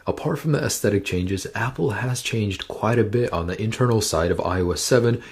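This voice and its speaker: A man's voice: lowish voice, a little fast. A man hosting a tech tutorial, walking step by step through phone settings in an instructional manner. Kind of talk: screen-recorded how-to narration.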